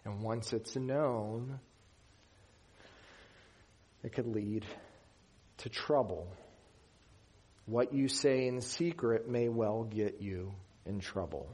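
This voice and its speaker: Slow, deliberate male preacher. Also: mid-range voice, darkish tone, husky. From Western Pennsylvania. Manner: earnest, emphatic preaching with slow deliberate pauses. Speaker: pastor. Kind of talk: sermon.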